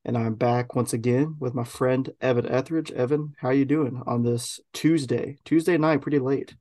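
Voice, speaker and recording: Man, podcast host, casual sports talk, mid pitch, relaxed rambling delivery. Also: normal speed. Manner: relaxed, rambling with many fillers.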